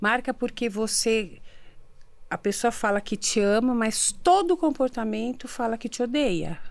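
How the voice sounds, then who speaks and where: A woman's fairly high voice with lively intonation at a fairly slow pace, on a very clean recording with a silent background. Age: 60s. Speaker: psychologist. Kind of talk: interview conversation.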